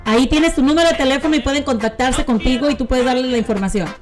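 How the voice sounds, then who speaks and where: A woman's voice: sits high, quick pace, faint music behind. A woman hosting a radio show, interviewing a guest in a friendly, encouraging way. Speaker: radio host.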